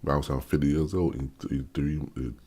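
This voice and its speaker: A man of about fifty from the Maryland/DC area vlogs an unscripted rant to camera, blunt and repetitive, tripping over restarts. He speaks briskly in a dark, breathy bass with fairly even intonation.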